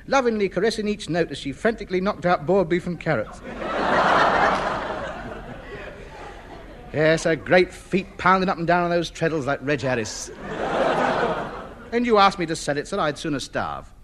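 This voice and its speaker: A man's voice: a little high, lively intonation, brisk, heavy background noise, lightly acted. A man playing a pompous, indignant has-been. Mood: grandiose. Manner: indignant and self-important. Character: pompous, vain man clinging to faded grandeur. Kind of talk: 1950s radio sitcom acting. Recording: old radio broadcast.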